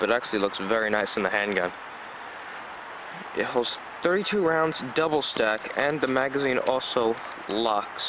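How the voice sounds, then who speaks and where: A man giving a casual, enthusiastic hands-on product review in an informal, rambling way. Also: mid-range voice. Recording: dull lo-fi sound, loud road noise. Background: traffic, passing buses and cars.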